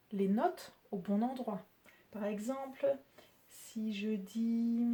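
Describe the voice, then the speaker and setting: In a spelling lesson for children, a woman teacher walks her pupils through French spelling and syllables. Her voice is a little high with a dark tone, and she explains things slowly, patiently, and with clear articulation.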